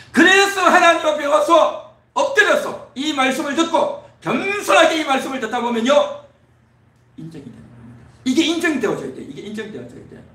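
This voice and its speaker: A man's voice: very high voice, sharp tone. A man preaching a Sunday sermon as pastor, building emphasis through repeated phrases. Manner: preaching with rising emphatic repetition. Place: church sanctuary. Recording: echoey church hall, distant mic.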